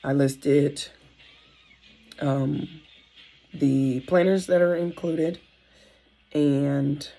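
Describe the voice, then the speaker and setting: Raspy hoarse mom vlogging at home on her phone, kinda gravelly and warm, thinking out loud. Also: low voice, fairly even intonation, drawn-out words, long pauses, faint music behind. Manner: rambling, thinks aloud, self-correcting. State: hoarse from a sore throat. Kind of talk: casual talking-to-camera vlog. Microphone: phone on a tripod. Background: faint kids' show audio.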